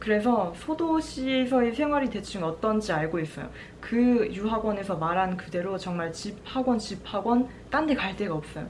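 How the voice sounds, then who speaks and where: Her voice sits fairly high and her intonation is lively. Noticeable background noise and audible room echo surround the woman. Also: moderate pace. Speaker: YouTuber. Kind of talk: casual vlog Q&A.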